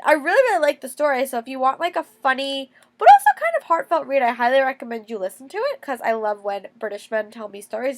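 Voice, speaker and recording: A woman's voice: high-pitched, fairly bright tone. A young woman with a cold, sounding congested and coughing now and then, chatting eagerly about her month's books and stressing words by saying them twice. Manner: chatty, enthusiastic, repeats words for emphasis. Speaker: book vlogger. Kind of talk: casual reading wrap-up vlog.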